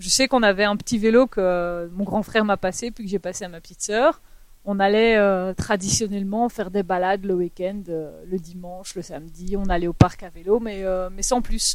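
Big swings in loudness mark a woman speaking at a medium pitch and a moderate pace. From Belgium, Brussels. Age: 30s. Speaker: cargo bike courier and bikepacking cyclist. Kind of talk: casual interview chat. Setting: remote call. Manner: animated, informal.

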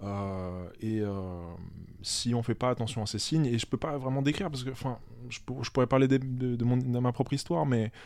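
A man talks at a moderate pace and medium pitch, with ordinary pitch variation, in a very clean recording over a silent background. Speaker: surprise guest. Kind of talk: casual chat.

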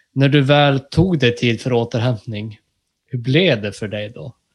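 This is a normal speaking voice at a fairly slow pace. The background is quiet. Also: man. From Norrbotten, northern Sweden. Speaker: sports psychologist, podcast host. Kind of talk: casual interview.

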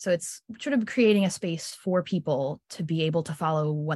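At a fairly quick pace, a woman speaks with lively intonation and a somewhat breathy voice, the sound dry and close with no echo against a quiet background. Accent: American. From rural Appalachia, US. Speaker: photographer and artist. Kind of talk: interview conversation.

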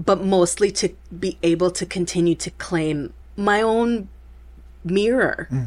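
A woman with an American accent has a normal speaking voice, fairly low in pitch with ordinary pitch variation. The recording is very clean, with a silent background. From Milwaukee, Wisconsin, US Midwest. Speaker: performance artist and writer. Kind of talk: casual interview.

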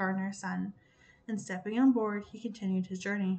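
A woman talks very fast at a medium pitch. Her intonation is monotone and flat. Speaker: podcast host. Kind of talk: fairy-tale narration read aloud from a book, with casual chat in intro and outro. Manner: storyteller pacing, shifting to dialogue lines in measured, expressive tone; casual, filler-heavy (um), chatty in asides.

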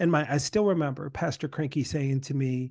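The background stays quiet. Delivered at a moderate pace, an unremarkable speaking voice shows ordinary pitch variation. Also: man. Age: 50s. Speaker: podcast host and university educator. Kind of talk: casual interview conversation.

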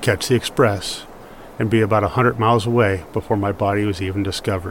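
Over noticeable background noise, a man with a fairly low pitch speaks in a menacing tone with fairly even intonation. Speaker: actor playing a lecturer narrator. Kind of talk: first-person horror fiction narration. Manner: measured, reflective; dry, menacing undertone.

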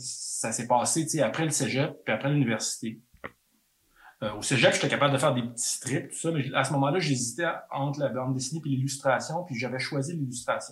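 His voice is somewhat breathy and fairly high for a man. A man's pitch rises and falls in an ordinary way. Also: fairly quick pace. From Quebec City, Quebec. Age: 50s. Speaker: comic book artist. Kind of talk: interview conversation.

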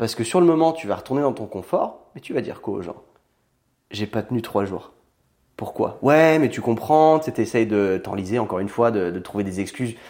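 A man with a dark, mellow tone and lively intonation is heard in a very clean recording with a silent background. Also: medium pitch for a man, moderate pace. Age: 30s. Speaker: fitness coach and entrepreneur. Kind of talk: casual interview. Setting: his apartment.

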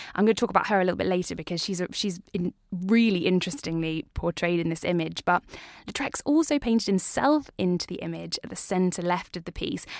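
A woman with an English accent speaks at a fairly quick pace and medium pitch, in a very clean recording with a silent background. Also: ordinary pitch variation. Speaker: radio host. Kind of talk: radio interview and presenting.

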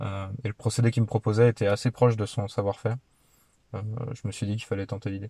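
A man speaks very fast in a flat monotone, his voice fairly low, dark, mellow, and somewhat breathy. The sound is dry and close, with no echo. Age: 20s. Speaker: startup co-founder, engineering graduate. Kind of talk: interview. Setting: remote recording. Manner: halting, frequent repetitions and hesitations.

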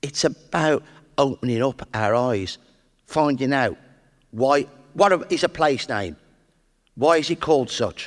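Speaking with a strong Birmingham accent, a man uses a fairly high pitch and ordinary pitch variation at a fairly slow pace, with long, frequent pauses. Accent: broad Birmingham (Brummie). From Birmingham, England. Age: 60s. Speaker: historian. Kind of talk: live podcast conversation. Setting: stage with audience.

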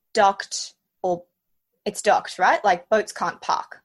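A woman talks with an Australian accent. Her pace is fairly slow. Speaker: podcast host. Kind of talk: casual chat.

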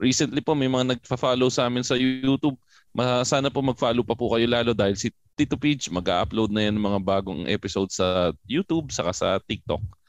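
Speaking at a medium pitch with ordinary pitch variation and very even loudness, a man talks at a fairly quick pace in a normal speaking voice, the sound dry and close with no echo. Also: quiet background. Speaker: comedy podcast host. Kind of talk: casual chat.

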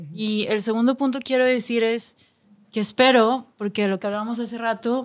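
A woman with an ordinary speaking voice, fairly high in pitch, at a moderate pace and with fairly even intonation, on a very clean recording with a silent background. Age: 40s. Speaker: podcast co-host. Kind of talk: casual chat.

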